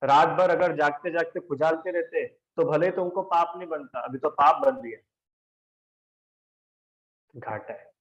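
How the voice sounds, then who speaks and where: A man's voice: on the high side, a little slow, long pauses. A male teacher giving a class lecture, arguing through rhetorical questions and answers and quizzing his students by name. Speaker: religion teacher. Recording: roomy, dull lo-fi recording.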